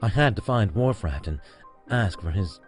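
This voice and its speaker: Man playing brooding captain, low pitch, animated delivery, melodramatic audio drama, light music. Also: moderate pace, close to an everyday voice.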